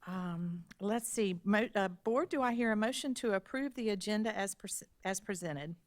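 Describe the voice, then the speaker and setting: A woman's voice: mid-range voice, moderate pace, no echo. A woman chairing a school board meeting, running motions and votes in a polite, procedural way with small restarts.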